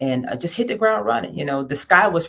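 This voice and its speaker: The recording is very clean, its background silent. A woman talks in an American accent. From US South (Mississippi, Memphis area). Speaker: business coach. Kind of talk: podcast interview, personal story.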